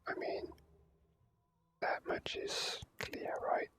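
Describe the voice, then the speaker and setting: An ASMR gaming host giving casual, drawn-out gameplay commentary in whispers. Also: a bit bright.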